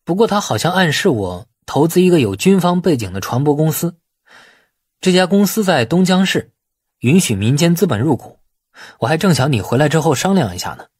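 A man acts out a shrewd, easygoing younger businessman in audiobook dialogue. He explains things colloquially in a husky voice with lively pitch. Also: fairly quick, no echo, studio quality. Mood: matter-of-fact.

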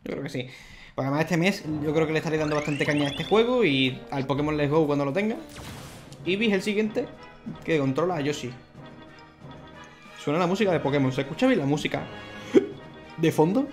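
A young man, chatting excitedly and laughing often as he plays through a video game. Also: a little high, a little fast, pauses often. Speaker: gaming YouTuber. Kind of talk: let's play commentary. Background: faint game music.

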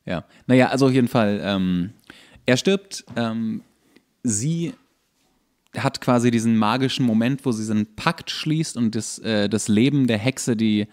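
A man co-hosting a podcast, casually recapping a story in a halting, stop-and-start way. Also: medium pitch. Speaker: podcast co-host.

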